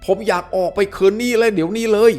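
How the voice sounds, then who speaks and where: A man's voice: high-pitched, very fast, a little mellow, soft background music, pitched above the performer's own voice, close to an everyday voice. A man voicing a spoiled rich man locked in a cell, wailing and demanding to be let out. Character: spoiled rich male prisoner, whining, panicky.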